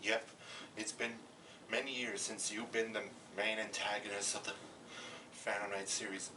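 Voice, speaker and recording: A man playing a matter-of-fact film producer, speaking haltingly in an amateur cartoon parody. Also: lowish voice, flat delivery, bright, forceful tone, distant mic, a little hiss or hum, pitched below the performer's own voice, poor audio.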